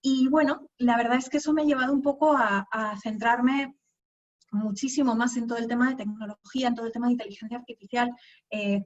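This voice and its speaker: A woman's voice: fairly high pitch, darkish tone, lo-fi sound. A woman from Spain with a Madrid accent, giving a conversational webinar talk with many fillers and restarts. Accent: Spanish, from Madrid. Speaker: guest speaker. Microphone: video call.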